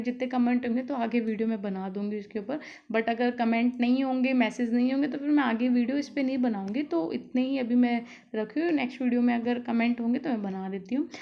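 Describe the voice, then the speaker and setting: A woman's voice: on the high side, fairly even intonation, quick pace, creaky, few pauses, muffled recording. A woman tutor giving a casual exam-prep lesson, explaining in a chatty way with many fillers. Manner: explanatory, chatty, with frequent fillers and "theek hai". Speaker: online tutor.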